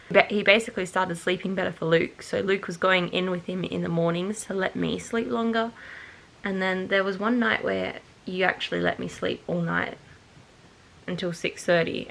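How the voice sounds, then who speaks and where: A woman's voice: on the low side, creaky, low-quality recording. A tired, nasal-sounding young woman, chatting to camera and rambling as she corrects herself. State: tired and nasal with hay fever. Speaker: vlogger. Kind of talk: casual chat to camera.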